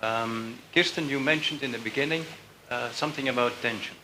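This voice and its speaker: A man's voice: medium pitch, fairly quick, noisy background. Blunt man asking from the audience. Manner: direct, blunt. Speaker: audience member. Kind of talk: panel question.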